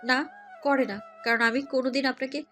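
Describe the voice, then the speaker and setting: Woman acting high-pitched, indignant young wife. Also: level tone, brisk, bright, forceful tone, soft background music. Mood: angry, stern. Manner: scolding, indignant. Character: angry, defiant young wife in a romance story. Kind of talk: romantic audio story dialogue.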